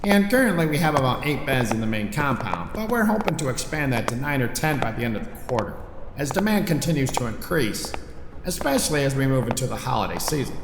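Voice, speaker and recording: A man's voice: mid-range voice, big pitch swings, fast, background noise. A man playing an eager corporate facility manager in an audio drama, businesslike, with upbeat sales patter, in an echoing space. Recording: echoey hall under loud music.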